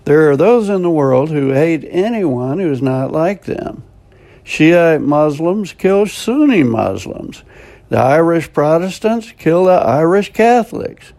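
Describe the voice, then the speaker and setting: A man's voice: a little high, animated, takes it slowly, darkish tone. An older American man reading a short scripted devotional in a plainspoken, homespun way with dry self-mocking humor. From United States. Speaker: devotional radio host.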